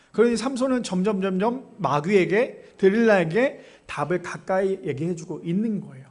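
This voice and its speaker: A male pastor preaching a sermon who asks the congregation questions and answers them himself. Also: sits high.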